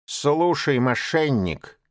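A man's voice: mid-range voice, very animated, measured pace, dry recording, studio quality. A man doing a stern scolding panther. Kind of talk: audiobook character voice.

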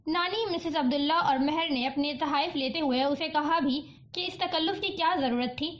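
Woman reading a novel aloud, high voice, muffled lo-fi sound. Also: a bit bright. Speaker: audiobook narrator. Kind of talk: scripted novel narration. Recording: dull lo-fi audiobook recording.

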